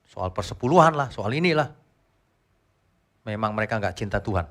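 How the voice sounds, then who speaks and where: Bright-voiced preacher. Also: male voice, lowish voice, lively intonation. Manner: emphatic, swings from soft asides to loud exhortation; chants a short worship phrase slowly. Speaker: pastor. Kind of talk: sermon.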